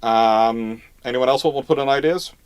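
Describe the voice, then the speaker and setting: Answering viewers' questions in a relaxed live history session, this host speaks with a smooth, mid-range voice at normal speed. He's emphatic, often repeating phrases to drive a point home.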